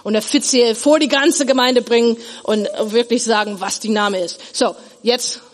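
Woman as Bible teacher for kids, fairly high voice, reverberant room. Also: normal speed. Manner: simple explaining, animated retelling with slips. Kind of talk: Bible lesson for children.

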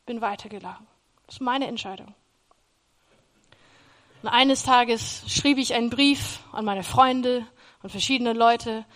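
High-voiced woman giving a faith testimony. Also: unhurried, long pauses. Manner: earnest, storytelling, acts out her own past words; grows loud and emphatic in emotional passages.

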